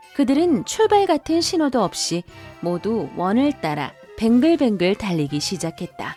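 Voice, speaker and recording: Music plays in the background as the speaker moves at a fairly slow pace with very wide pitch swings. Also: woman. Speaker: voice actor audiobook narrator. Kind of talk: audiobook narration of a children's classic.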